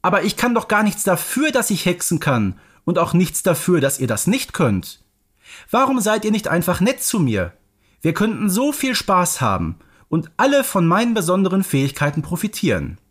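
Storybook young witch read by a man: bullied, vulnerable, brave, higher register, animated melody. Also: normal speed, slightly rough, exaggerated voice. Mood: pleading, firm. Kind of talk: children's audio story reading.

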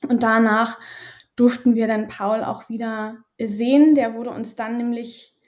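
A woman's voice: fairly high pitch, little pitch movement, unhurried, darkish tone. A woman in her thirties from Berlin, raised bilingual in German and French, telling her story candidly as an interview guest, hesitant and full of fillers. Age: 30s. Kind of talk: personal interview.

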